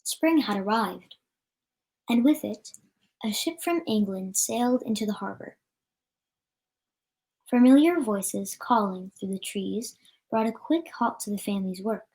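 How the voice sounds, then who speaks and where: A woman's voice: mid-range voice, expressive, a little slow, pauses often, a little mellow. A woman reading a children's story aloud as a storyteller, with an occasional stumble over the words.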